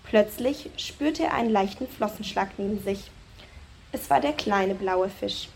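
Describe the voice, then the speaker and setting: A woman reading a children's story aloud at a church service, clear and expressive. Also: mid-range voice, measured pace, slight background noise.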